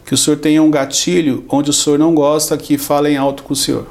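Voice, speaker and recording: Gravelly, quick-talking Brazilian man. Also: a little high, level tone, a little mellow. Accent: Brazilian Portuguese. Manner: explains with everyday examples and acted-out quotes. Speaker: podcast guest. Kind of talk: conversational teaching.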